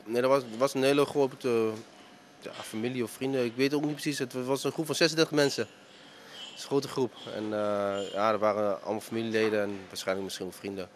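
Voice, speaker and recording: A man's voice: mid-range voice, steady tone, brisk, slight background noise. A man in his thirties, a restaurant owner, answering a news interview in his dining room into a handheld mic, hesitant with many fillers. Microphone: handheld reporter mic.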